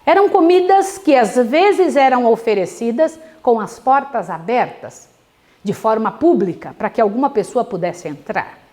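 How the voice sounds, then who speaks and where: A woman's voice: fairly high pitch, animated, normal speed, dark tone. A woman who teaches a devotional Bible study, telling the story dramatically and asking her listeners questions.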